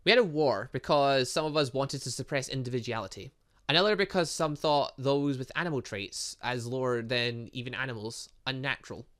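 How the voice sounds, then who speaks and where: Brisk and mid-pitched, this male gaming host reads out visual novel lines with offhand comments, fumbling words and correcting himself. His delivery is lively, full of playful reactions and exclamations.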